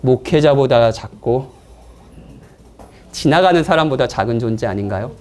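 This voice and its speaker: A man's voice: mid-range voice, expressive, moderate pace, a little mellow, a little hiss or hum. A man preaching a sermon in a church, speaking conversationally and playfully with his congregation. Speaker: pastor. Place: church, afternoon service.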